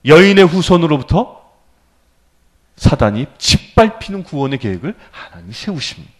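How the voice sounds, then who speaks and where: A male priest giving a sermon lecture in a church, animated and often prompting his listeners with questions. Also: a little high, normal speed, breathy edge.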